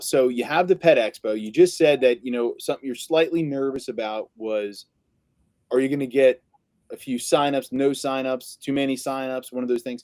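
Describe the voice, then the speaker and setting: A man with an American accent speaks at a medium pitch with ordinary pitch variation, recorded in a dry, close sound with no echo. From New Jersey. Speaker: podcast host and dog trainer. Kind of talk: casual interview. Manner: fast; animated.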